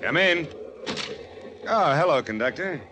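An actor playing a smooth-mannered train passenger making small talk, in 1940s radio drama style. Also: male voice, animated, a little slow. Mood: casual, affable. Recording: noisy old radio recording, train rumble.

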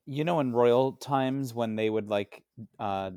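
A man's voice: mid-range voice, takes it slowly, mellow, clear, resonant tone, no room sound, studio quality. A man co-hosting a podcast in casual conversation. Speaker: podcast co-host. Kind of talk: casual chat.

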